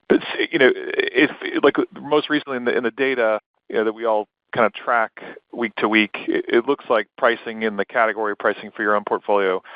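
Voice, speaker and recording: A man with a fairly low voice on close, dry call audio. He is an analyst who builds long, winding questions clause by clause. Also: no echo, highs cut off. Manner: wordy, winding multi-part questions. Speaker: financial analyst asking questions.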